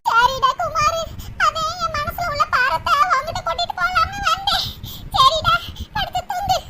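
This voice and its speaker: An actor voicing a grieving old village mother who speaks in slow, tearful laments in a cartoon. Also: extremely high pitch, steady tone. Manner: slow mournful pleading. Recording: loud hiss under the voice.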